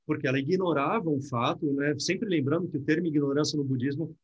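A man's voice: a little high, fast, husky, dull audio. A man who hosts the talk as a Buddhist teacher, explaining ideas reflectively and often closing his points with tag questions. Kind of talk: reflective conversation.

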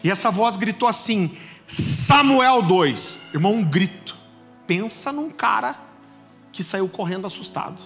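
Animated Brazilian pastor, high voice. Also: male voice, moderate pace, gravelly, faint music behind. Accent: Brazilian Portuguese. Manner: animated storytelling, addresses listeners as "irmão". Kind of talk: sermon with personal testimony. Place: church service.

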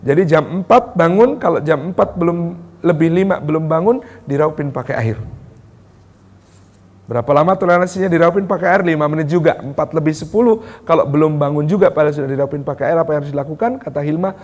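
Male preacher from Yogyakarta, fairly high voice, lively parenting talk acting out family dialogues, reverberant hotel hall. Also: fast talker. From Yogyakarta, Indonesia. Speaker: Islamic preacher. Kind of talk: religious parenting talk to an audience. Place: hotel function room. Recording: echoey hall sound.

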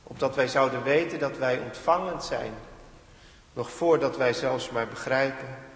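Dutch preacher echoing in a church. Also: male voice, mid-range voice, steady tone, measured pace. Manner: earnest, rises to emphatic peaks then drops quiet. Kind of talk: sermon. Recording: echoey church hall with long reverb.

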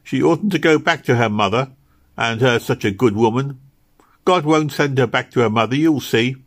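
A man's voice: fairly high pitch, expressive, unhurried, a bit bright, pitched above the performer's own voice. A man voicing a poor, despairing woman, plaintive and curt, in a storybook reading. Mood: bitter, argumentative. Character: poor, weary, despairing young seamstress Kitty.

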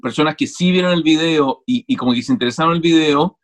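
A Chilean man, an actor and interview guest, telling stories in a casual, animated, digressive way with many restarts. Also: on the high side, fast talker. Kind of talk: casual conversation.

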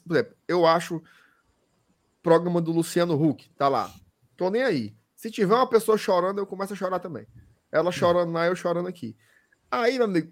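A man hosting a casual sports chat, lively and quick to laugh, full of regional slang. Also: high voice. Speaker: host.

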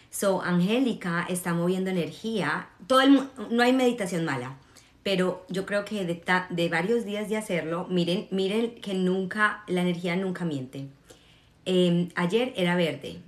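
Encouraging woman meditation guide, roomy echo. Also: fairly low pitch. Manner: encouraging, reassuring. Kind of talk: guided meditation and live chat with viewers.

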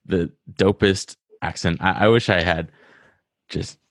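This low-voiced man speaks a little slowly with fairly even intonation, and there's no echo on the track. He's a talkative, enthusiastic podcast guest with a Rhode Island accent who goes on at length in casual chat, frequently breaking off and starting his sentences over.

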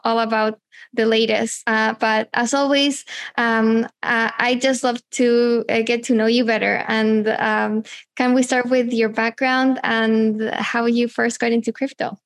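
A woman hosting a podcast, reading smoothly from a script and chatting with many fillers. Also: a little high. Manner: smooth reads, then hesitant with many fillers. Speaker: podcast host. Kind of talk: podcast hosting and sponsor reads.

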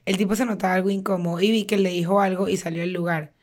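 A woman's voice: medium pitch, fairly even intonation, darkish tone. A woman co-hosting a podcast, chatty and teasing as she tells salon gossip. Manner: chatty, teasing, quick to laugh. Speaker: podcast co-host. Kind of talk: casual gossip chat.

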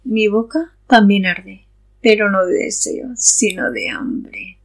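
A woman playing a seductive, hungry vampire in an audio drama, with a coquettish, predatory way of talking and a husky voice. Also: mid-range voice, big pitch swings, takes it slowly, full character voice, low-quality recording. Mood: seductive, menacing. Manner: coquettish, purring. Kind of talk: audio fiction acting.

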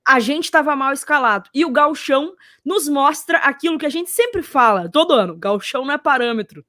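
A woman's voice: high-pitched, lively intonation, moderate pace, bright, forceful tone, dry recording, clean studio sound. A woman, commenting on sports in an emphatic, opinionated way and repeating her points for force.

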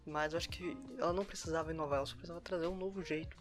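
A man's voice: fairly high pitch, fairly even intonation, rapid-fire. A Brazilian man giving casual solo commentary for a podcast, speaking informally. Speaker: podcast co-host. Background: background music.

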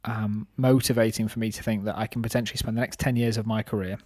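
A man's voice: on the low side, level tone, fast, darkish tone, no room sound, clean studio sound. A man of thirty chatting casually on a podcast in a reflective, rambling way, explaining his own thinking. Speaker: podcast host and business owner.

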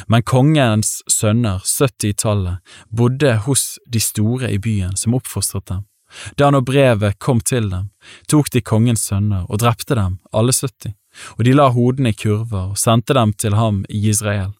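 Calm man reading scripture, dry sound. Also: on the low side, no room sound. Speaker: Bible reader.

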